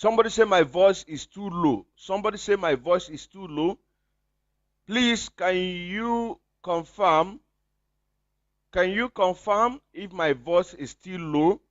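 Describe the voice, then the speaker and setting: A man's voice: high-pitched, slow, no echo, dull audio. A Nigerian man on a livestream, giving impassioned commentary that scolds his listeners with repeated phrases and rhetorical questions. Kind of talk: impassioned live-stream commentary.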